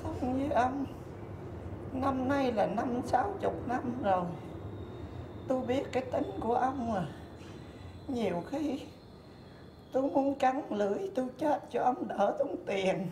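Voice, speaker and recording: An actress playing a frail, nagging old wife in a stage comedy sketch, with a plaintive, complaining manner. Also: female voice, a little high, slow pace, pauses often. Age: older. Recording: roomy stage recording with noise.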